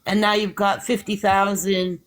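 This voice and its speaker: A man's voice: high-pitched, level tone, normal speed, fairly bright tone, low-quality recording. A man in casual chat, rambling through explanations with frequent restarts and hedges.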